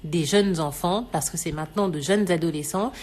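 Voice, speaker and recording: A woman from Senegal explaining on a radio talk show, measured and thoughtful, with many fillers. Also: on the low side, a little mellow. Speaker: radio show expert guest.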